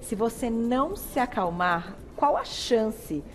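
A calm male pediatrician with a Brazilian accent gives soothing advice, as a woman quotes him in her own voice. He speaks slowly and gently. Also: a little high, soft background music. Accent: Brazilian Portuguese.

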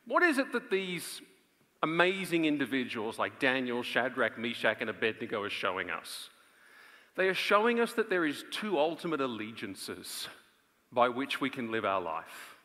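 A man in his thirties preaching an earnest, emphatic live sermon with dramatic pauses on a large auditorium stage. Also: medium pitch, big pitch swings, sharp tone. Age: 30s. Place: on stage in a large theatre before an audience. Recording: reverberant large auditorium sound.

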